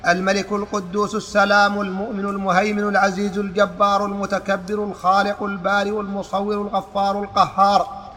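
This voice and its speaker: A man reading a religious text aloud in a lesson, with a steady recitation and occasional restarts. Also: high voice. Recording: long hall reverb with faint noise.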